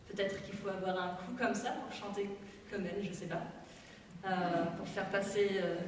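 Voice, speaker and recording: A woman's voice: mid-range voice, slight background noise. A woman in her thirties speaking live on stage as a performance artist, thoughtful and playful in a loosely improvised way. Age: 30s. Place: arts venue, live performance. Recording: echoey live hall from far off.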